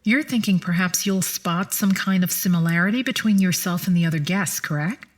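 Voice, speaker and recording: An actress playing a composed, polite immortal attendant in an audio drama, speaking precisely and courteously with a guarded patience. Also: female voice, on the low side, a little fast, natural voice. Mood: patient, courteous.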